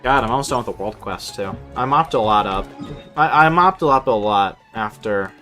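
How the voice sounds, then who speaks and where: A man's voice: fairly low pitch, lively intonation, normal speed, sharp tone, faint music behind. A man streaming a video game, chatting casually with viewers in a sweary, rambling way and often repeating himself. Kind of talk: casual live stream chat and gameplay commentary.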